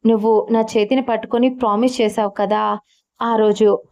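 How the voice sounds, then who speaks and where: A woman's voice: a little high, flat delivery, moderate pace, darkish tone, natural voice. Woman reading as a tender young lover.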